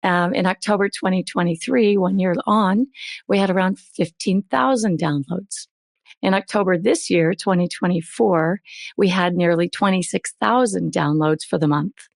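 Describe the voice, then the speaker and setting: Hoarse gravelly lady hosting a podcast, lowish voice, chatty, dry close mic. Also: normal speed, no echo. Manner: chatty, upbeat, storytelling. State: hoarse, voice still recovering. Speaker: podcast host. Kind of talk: podcast intro, casual chat.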